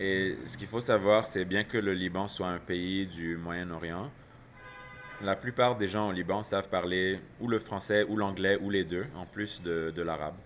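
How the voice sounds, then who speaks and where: A man with a very deep, low pitch speaks at a fairly slow pace, his intonation fairly even. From Quebec, Canada (born in Lebanon). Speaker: podcast guest. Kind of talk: casual interview conversation. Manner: halting, many repetitions and fillers.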